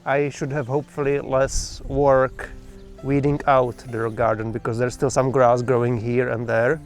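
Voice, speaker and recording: A man's voice: mid-range voice, level tone, normal speed, faint music behind. A man co-hosting a home vlog, showing his rock garden outdoors in a laid-back way with dry quips. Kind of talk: casual home vlog chat.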